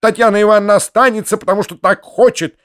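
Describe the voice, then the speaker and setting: A man's voice: high-pitched, steady tone, fast, a bit bright, pitched above the performer's own voice. A man reading an audiobook, voicing a furious middle-aged noblewoman who scolds and shrieks. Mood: raging. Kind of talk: audiobook character voice.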